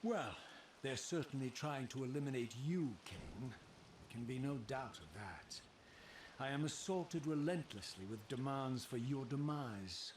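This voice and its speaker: An actor playing a proud, defiant undead wraith in a video game, with an eloquent, sardonic, theatrical delivery. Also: male voice, mid-range voice, expressive, a little slow, darkish tone, echoey room, recorded from a distance, slight background noise, natural voice. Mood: scornful, defiant. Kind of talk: dramatic video game voice acting.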